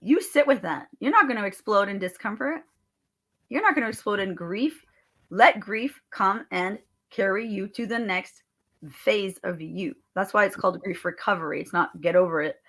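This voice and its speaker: A woman's voice: medium pitch, normal speed, fairly bright tone. A middle-aged woman talking in an emphatic, motivational way as a guest in a casual interview. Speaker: guest author and grief recovery speaker.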